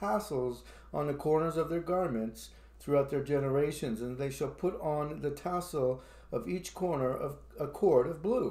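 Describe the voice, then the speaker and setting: A man speaks at a moderate pace with a dark, mellow tone and a somewhat breathy quality, with audible room echo around him. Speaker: preacher. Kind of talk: sermon. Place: home room.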